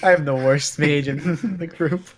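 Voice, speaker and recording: A man's voice: a little high, measured pace. A man chatting casually as a player in a tabletop roleplaying game. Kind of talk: casual chat. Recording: music behind the voice. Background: music.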